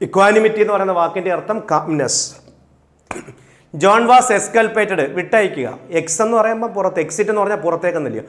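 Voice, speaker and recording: Man, high voice, Malayalam accent, exam coaching lesson, slow question reading, quick explanations. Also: expressive, a bit bright. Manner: reads English questions slowly, then explains quickly. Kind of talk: recorded exam-prep lesson.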